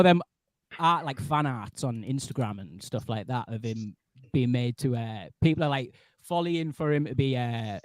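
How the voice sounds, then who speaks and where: A man's voice: mid-range voice, no echo. A man hosting a livestream in a casual, chatty style. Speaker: livestream host. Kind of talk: casual chat.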